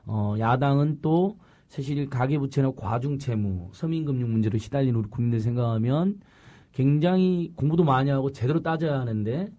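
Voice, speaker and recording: A man hosting a political talk interview, telling stories with animated, laughing delivery. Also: medium pitch, moderate pace. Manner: animated, with laughter, tells anecdotes. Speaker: host.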